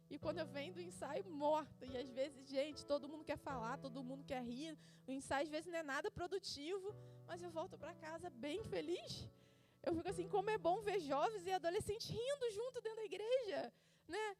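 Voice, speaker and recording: A middle-aged woman with a Brazilian Portuguese accent preaching in church, telling stories in a chatty way and acting out what her family said. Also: high-pitched. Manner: conversational storytelling, acting out her family's lines. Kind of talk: sermon. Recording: music playing behind.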